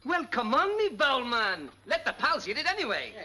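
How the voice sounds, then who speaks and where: An actor playing a smooth-talking showman and con man, full of glib, backslapping salesman patter. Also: extremely high pitch, big pitch swings, normal speed, over a noisy crowd.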